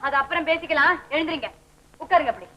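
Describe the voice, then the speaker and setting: A woman's voice: sits high, fast talker, poor audio. A sensible, soothing young woman. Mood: coaxing. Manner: patient, coaxing, gently teasing. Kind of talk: 1960s Tamil film acting.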